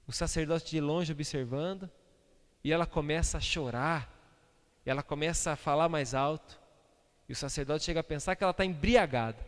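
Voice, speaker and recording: A male pastor delivers an impassioned sermon in a fairly high voice. He swings between loud outbursts and quiet, hushed asides. His voice rings through a large church hall with a long reverb tail. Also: normal speed. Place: church sanctuary.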